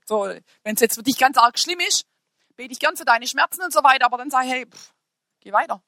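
A woman. She speaks casually and with humor, moving from soft asides to shouted declarations. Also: high voice, lively intonation, fairly quick, dry recording, studio quality. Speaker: preacher. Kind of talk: lively sermon to a congregation.

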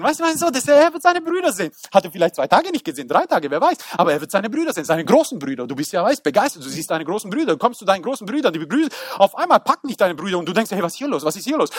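High-voiced, lively, casual preacher. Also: male voice, dry recording, studio quality. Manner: animated storytelling with acted-out voices; informal, slangy, talks to the listeners directly. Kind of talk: sermon.

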